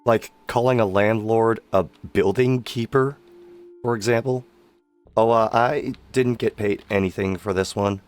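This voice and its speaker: A man's voice: fairly low pitch, steady tone, a little slow, soft background music. A man giving casual live-stream game commentary, his voice worn from sickness and hours of streaming. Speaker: streamer, amateur voice actor.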